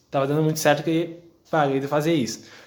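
A fairly high-pitched man's voice with a southern Brazilian accent. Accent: gaúcho Brazilian Portuguese. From southern Brazil, interior of Rio Grande do Sul. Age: 20s. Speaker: podcaster. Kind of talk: casual monologue. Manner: animated.

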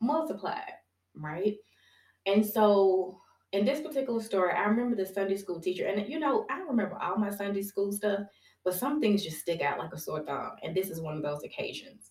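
A woman with an unremarkable speaking voice talks fairly quickly in an American accent, at a medium pitch and with lively intonation. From US South. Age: 40s. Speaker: podcast host. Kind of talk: solo motivational talk. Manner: conversational, with frequent fillers.

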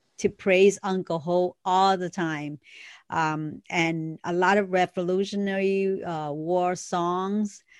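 In a very clean recording with a silent background and a dry, close sound with no echo, a woman with a Vietnamese accent speaks at a medium pitch in a monotone, flat way and at a very slow pace. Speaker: author and co-host. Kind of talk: casual chat.

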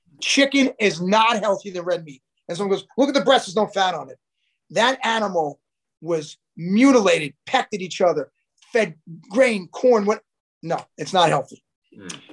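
A man with a New York accent, high-pitched, at a moderate pace, with lively intonation, big swings in loudness and long, frequent pauses, in a dry, close sound with no echo. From New York City. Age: 50s. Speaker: clinical nutritionist and health coach. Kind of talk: interview conversation. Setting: video call from home with dogs.

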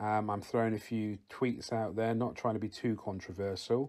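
A man with a British accent speaks at a moderate pace in a dark, mellow tone, fairly low in pitch. His intonation is monotone and flat, on a very clean recording with a silent background. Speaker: podcast host. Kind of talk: casual chat. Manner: soft-spoken.

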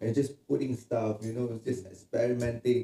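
An ordinary speaking voice belongs to a man who talks at a moderate tempo. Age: 40s. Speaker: fashion creative director. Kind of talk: casual interview. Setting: studio couch.

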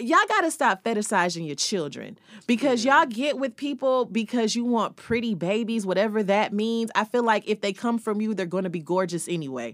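Over a very clean, silent background, a woman with an unremarkable speaking voice talks at a fairly quick pace with a fairly high pitch and hardly any pauses. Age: 30s. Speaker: podcast host. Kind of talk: casual chat.

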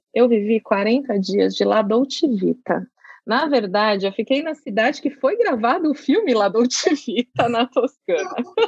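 Her pitch swings very widely. The woman's voice sits high. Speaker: career coach. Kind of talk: casual interview.

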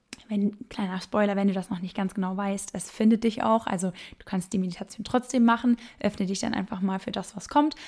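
A somewhat breathy woman's voice at a medium pitch, fairly even in intonation, with hardly any pauses. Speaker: podcast host and meditation guide. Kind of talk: guided meditation. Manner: slow, soothing, calm, gentle pacing; soft-spoken, dreamy.

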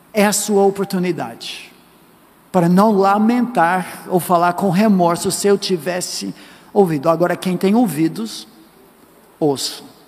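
With an English accent, the speaker goes at a fairly slow pace with long, frequent pauses, very even loudness and ordinary pitch variation. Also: man, high pitch for a man. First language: English (speaking Portuguese). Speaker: pastor. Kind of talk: sermon. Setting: church.

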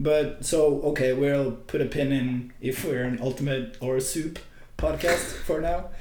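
Speaking at a fairly slow pace with a Norwegian accent, a man uses a fairly high pitch and fairly even intonation. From Norway. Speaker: podcast co-host. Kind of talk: casual chat.

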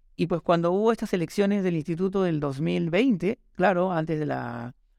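A normal speaking voice at a moderate pace with ordinary pitch variation, dry and close with no echo. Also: man. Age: 30s. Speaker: mining engineer and startup co-founder. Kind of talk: interview. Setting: studio.

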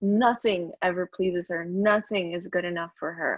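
This woman talks at a moderate pace with ordinary pitch variation, and the sound is dry and close with no echo. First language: not English. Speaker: podcast host. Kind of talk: interview.

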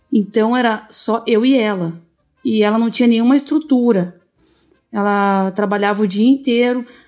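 Music plays in the background as a woman with a fairly high pitch talks at a moderate pace, her ordinary pitch variation paired with very even loudness. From Rio Grande do Sul, Brazil (Triunfo, near Porto Alegre). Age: 30s. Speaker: blind musician. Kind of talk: interview. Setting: call.

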